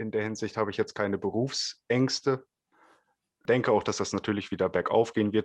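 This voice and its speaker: Fairly quick and fairly even in intonation, a normal speaking voice comes through with a dry, close sound and no echo. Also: man. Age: 20s. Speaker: trainee bookseller. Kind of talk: casual interview.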